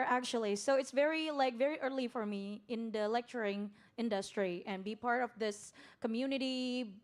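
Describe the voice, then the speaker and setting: A young woman lecturer, introducing herself in an energetic, talkative way. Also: fairly high pitch. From Indonesia. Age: young adult. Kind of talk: casual self-introduction.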